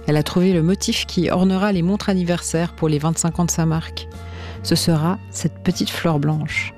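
A woman radio reporter narrating a scripted portrait in a calm, measured storytelling manner. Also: fairly low pitch.

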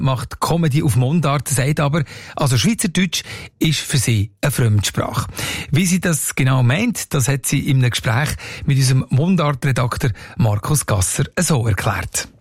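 A man hosts a radio segment. His delivery is relaxed and scripted, with small hesitations. His voice is fairly high, and it is recorded dry and close. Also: no room sound. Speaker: radio host.

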